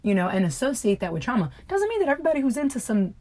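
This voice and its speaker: A woman with a slightly high, darkish voice speaks very fast in a sing-song way as co-host of a podcast. The chat is casual and frank, and she explains things patiently and laughs easily.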